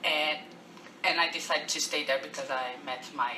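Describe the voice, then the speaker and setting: A young woman from Brazil with a Brazilian accent, speaking careful, halting English with many restarts as a guest on a radio interview. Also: sits low, fairly even intonation, pushed and bright, reverberant, distant mic, slight background noise, rough recording. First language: Portuguese. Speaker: guest, fencer.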